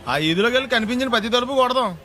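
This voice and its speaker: A cheeky, rambling young comic. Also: male voice, extremely high pitch, noisy background. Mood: scheming. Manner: quick, rambling comic back-talk. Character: cheeky, fidgety young man who talks back. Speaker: comic lead. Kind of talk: Telugu film comedy acting.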